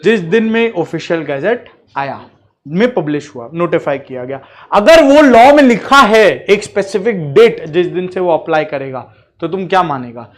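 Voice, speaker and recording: A man's voice: high-pitched, lively intonation, moderate pace. A man teaching a law class, mixing in English terms and often checking that the class follows. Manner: mixes English terms into speech. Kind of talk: classroom lecture.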